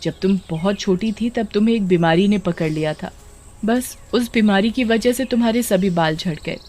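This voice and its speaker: एक औरत बच्चों की कहानी में गांव की एक चिंतित, प्यार करने वाली माँ की आवाज़ कर रही है, जो बेटी को दिलासा देती है।. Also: female voice, mid-range voice, normal speed, a little mellow, natural voice. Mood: comforting. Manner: comforting, stammering when shocked. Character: worried loving village mother. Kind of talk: children's storybook voice acting.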